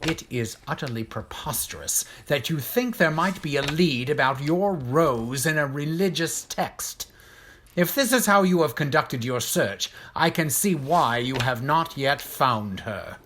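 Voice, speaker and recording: A pompous, war-wounded gentleman of radio drama, played by a man, whose pitch swings widely. He is formal, guarded and easily affronted, with some background noise around the voice. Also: animated, measured pace. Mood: affronted, scornful. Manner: pompous, precise, formal diction. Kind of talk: audio drama acting.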